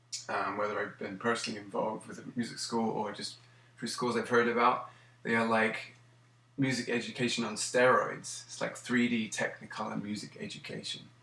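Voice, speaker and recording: Heard with audible room echo, a man with an English accent talks at a fairly quick pace. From southern England, Salisbury; southern England. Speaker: guitar and ukulele instructor; music teacher. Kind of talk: informal talk and demonstration. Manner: casual, with many fillers. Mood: friendly, enthusiastic. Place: home room. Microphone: camera far.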